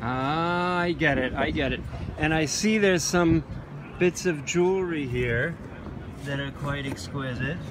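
There is noticeable background noise behind a man. His pitch is fairly high, with ordinary variation. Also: fairly slow pace. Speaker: video host interviewing a vendor. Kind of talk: casual talk to camera at a trade show. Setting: busy trade show floor. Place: market.

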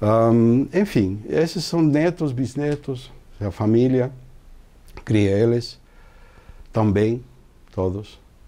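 In a Spanish accent, a man with a dark, mellow tone speaks very slowly, using lively intonation and long, frequent pauses. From Bolivia, La Paz. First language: Spanish (speaking Portuguese). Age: 60s. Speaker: composer and guitarist; interviewee. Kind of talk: personal testimony interview; interview answer. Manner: halting. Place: studio. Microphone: lapel.

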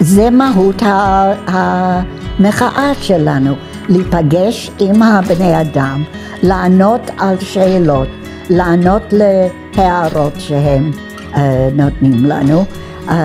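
Over clear music in the background, a woman speaks at a very slow pace. Her pauses are long and frequent. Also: fairly low pitch for a woman, lively intonation. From United States. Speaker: peace activist. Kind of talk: interview answer. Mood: calm, earnest. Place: kitchen. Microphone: lapel.

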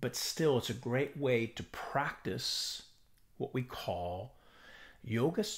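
A man's somewhat breathy voice unfolds at a fairly slow pace. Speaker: hot yoga teacher and meditation teacher. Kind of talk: yoga meditation instruction talking to camera. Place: home room.

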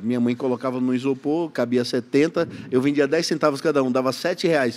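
A man with a plain, everyday voice speaks at a moderate pace, his pitch fairly high and his intonation fairly even. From Bahia, Brazil. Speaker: bodybuilder; podcast guest. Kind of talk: casual chat. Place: studio. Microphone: studio mic.

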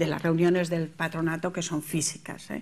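This woman's voice sits fairly low in pitch. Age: 60s. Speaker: foundation representative; speaker. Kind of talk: conference talk. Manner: halting. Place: hall.

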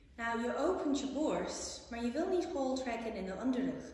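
A woman speaks at a fairly slow pace. Strong echo fills the room around her. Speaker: yoga teacher. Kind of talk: tutorial. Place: gym. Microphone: camera far.

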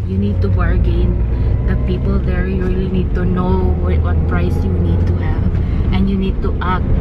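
Loud background noise fills the clip. Through it, a woman talks at a moderate pace. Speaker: travel vlogger. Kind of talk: casual vlog chat. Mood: amused, animated. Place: car. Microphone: phone near.

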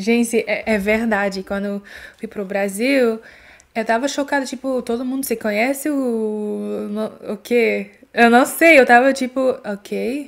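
Against a quiet background, a woman with an English accent speaks very slowly at a fairly high pitch. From Canada. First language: English (speaking Portuguese). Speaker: YouTuber; reaction youtuber. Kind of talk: reaction video commentary. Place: home room. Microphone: studio mic.

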